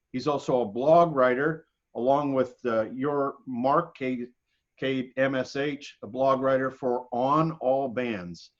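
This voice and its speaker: An American man gives an informal presentation over a video call. His delivery is halting, with pauses in the middle of sentences. The audio is dull and lo-fi. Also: medium pitch. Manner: halting, pausing often mid-sentence. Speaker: guest presenter.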